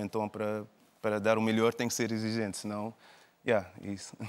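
The man talks at a fairly slow pace. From Netherlands, Cape Verdean family. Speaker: musician; guest. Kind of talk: interview. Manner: halting. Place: studio. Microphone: lapel.

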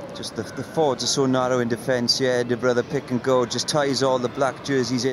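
Against noticeable background noise, a man speaks at a fairly quick pace with hardly any pauses, in a monotone, flat intonation and a dry sound with no echo. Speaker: rugby commentator. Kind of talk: live rugby match commentary. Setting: stadium commentary position. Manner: measured, appreciative summarising tone. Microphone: headset.

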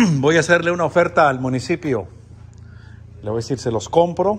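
A somewhat breathy voice moves at a fairly quick pace with lively intonation over light background noise. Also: man. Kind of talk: casual vlog chat. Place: boat. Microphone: phone near.

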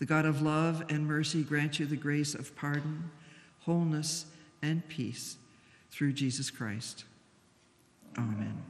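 A man talks at a fairly slow pace with fairly even intonation and long, frequent pauses. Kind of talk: liturgical prayer. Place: church.

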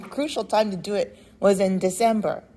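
A woman speaks in a somewhat breathy voice. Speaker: audience member. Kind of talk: public comment question. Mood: critical, frustrated, laughing at times. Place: hall.

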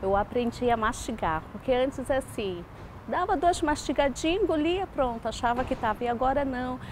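Lively intonation runs through a woman's high-pitched voice. She keeps a moderate pace over light background noise. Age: 50s. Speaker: student of a natural health course. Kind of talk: testimony. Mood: warm, reflective, smiling. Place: garden. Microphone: lapel.

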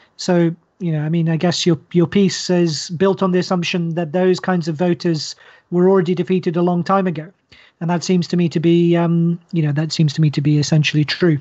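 The speaker talks at a fairly quick pace in a British accent. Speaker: podcast co-host. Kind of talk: podcast interview on politics.

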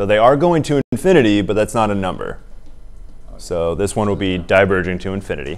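In an American accent, an ordinary speaking voice moves at a fairly quick pace with lively intonation. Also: man, fairly low pitch for a man. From Southern California, near Los Angeles. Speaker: college math instructor; math instructor. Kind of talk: lecture. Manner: casual, conversational. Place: classroom.

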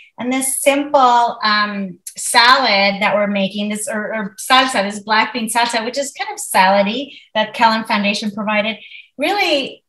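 The speech moves at a fairly slow pace with ordinary pitch variation. There is audible room echo over a quiet background. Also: woman. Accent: American. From Texas. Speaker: food and art educator. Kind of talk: cooking demonstration. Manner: animated. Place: kitchen. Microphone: video call.

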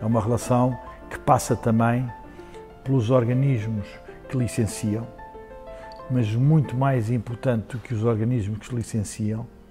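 Clear music plays in the background as a man talks. His pace is fairly slow and his intonation fairly even. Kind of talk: interview answer. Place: office.

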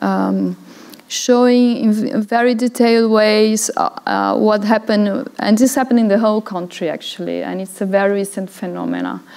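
A woman with a Portuguese accent at a moderate pace against a quiet background. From Brazil. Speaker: architect and curator; speaker. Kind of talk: conference talk. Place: hall.

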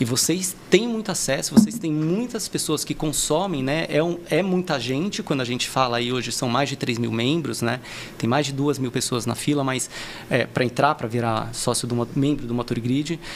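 Lively intonation at a moderate pace, over light background noise. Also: man, fairly high pitch for a man. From Brazil. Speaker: automotive marketing agency owner. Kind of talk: casual chat. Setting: studio. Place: studio. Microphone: studio mic.

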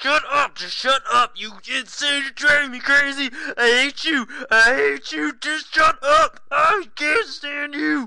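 The speaker is shouting at a high pitch. The pace is fairly slow. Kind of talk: comic overacting. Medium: machinima. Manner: frantic, shouting, exasperated.

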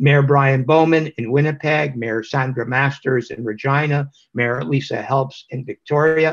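Here a man speaks with fairly even intonation. He leaves hardly any pauses. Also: fairly slow pace, quiet background. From Canada. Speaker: human rights organization director. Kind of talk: event moderation. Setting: video call from hotel room. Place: home room. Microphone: video call.

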